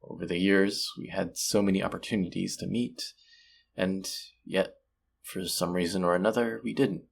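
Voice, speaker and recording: Man playing a deep, husky romantic sweetheart. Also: steady tone. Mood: tender, hesitant. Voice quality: husky, gravelly low voice. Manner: soft, hesitant, tender, with pauses. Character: sweet, smitten young man, romantic stranger from a flight. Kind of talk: intimate romantic audio roleplay addressed to the listener.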